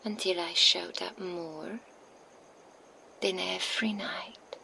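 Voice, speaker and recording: A woman's voice: lowish voice, fairly even intonation, gravelly, slight background noise, heavily acted, poor audio. A woman whispering as a taunting vampire. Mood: menacing. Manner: soft unvoiced whisper, slow and taunting. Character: cold, menacing female vampire enforcer. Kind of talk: ASMR roleplay, whispered. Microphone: binaural microphone.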